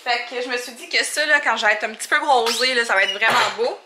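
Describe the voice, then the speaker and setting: A young woman with a Québécois French accent, chatting casually in a vlog, often laughing and filling pauses. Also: a little high, background noise. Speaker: vlogger.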